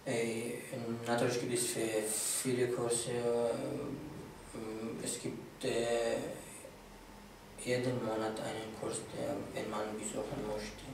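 A man's voice: mid-range voice, flat delivery, slow pace, creaky. Hesitant young man, echoey office. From Iraq. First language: Yazidi Kurdish. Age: young adult. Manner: hesitant, many filler sounds and restarts. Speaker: interviewee. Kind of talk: interview about integration. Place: small office room with filing shelves. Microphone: room mic from a far camera. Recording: echoey room, distant mic, faint hiss.

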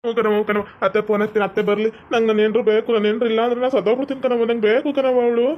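A man's voice: extremely high pitch, flat delivery, racing, dull audio. Man playing a weepy pleading village husband. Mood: sobbing. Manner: whining, pleading, repeating himself.

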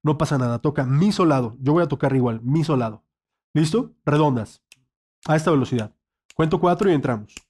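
A man's voice: on the high side, lively intonation, fairly quick, darkish tone, slightly rough. A male saxophone teacher, giving an online lesson and checking in patiently with the student.

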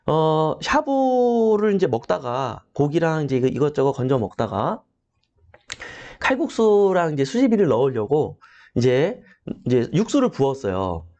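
A man's voice: a little high, sing-song, unhurried, a little mellow, dull audio. A middle-aged man hosting a live morning talk on property auctions, telling a personal story and turning to address his listeners directly. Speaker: real estate auction educator hosting a live morning show. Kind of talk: motivational talk with a personal anecdote.

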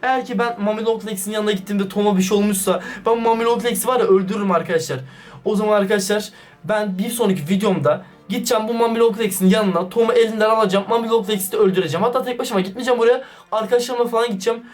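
A man doing excited, casual vlog commentary, slangy and talking straight to his viewers. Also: sits high, racing. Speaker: YouTuber reacting to a chat. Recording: distant mic with background music.

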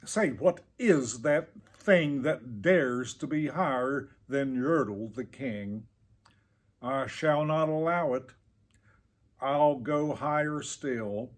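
A man's voice: medium pitch, takes it slowly. Pompous, bellowing turtle king read by a man. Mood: indignant, bellowing. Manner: bellowing, grandiose. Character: pompous tyrannical turtle king, booming and boastful.

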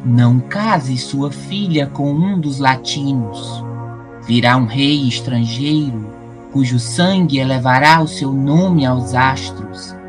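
A woman's voice: rumbling low, slow, music in the background. A woman with a Brazilian accent acting a solemn prophetess delivering dire omens in an audio drama. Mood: ominous.

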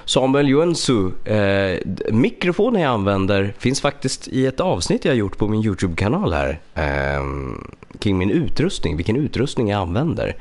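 A man with a low, slightly congested voice streams a puzzle game and thinks aloud as he works. He chats casually with his viewers, close to a USB studio microphone. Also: big pitch swings, a little mellow. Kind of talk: casual live-stream commentary.

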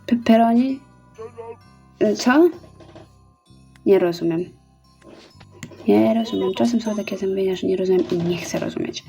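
Mellow-voiced woman chatting through a game. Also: medium pitch, moderate pace, vocal fry, long pauses, faint music behind. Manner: chatty, reads orders aloud and counts out steps. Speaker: gaming YouTuber. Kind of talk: casual let's-play commentary.

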